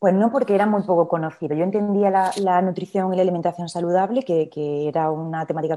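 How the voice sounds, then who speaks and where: This woman talks at a very fast pace. Her tone is dark and mellow. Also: quiet background. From Andalusia, Córdoba province (Spain). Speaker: nutritionist. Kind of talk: podcast interview.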